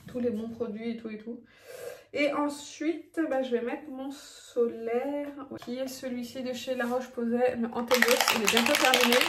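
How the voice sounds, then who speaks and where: A woman's voice: fairly high pitch, creaky. A woman talking through her routine in a casual, chatty vlog, with frequent fillers and little laughs. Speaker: beauty vlogger. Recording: echoey room, faint background noise.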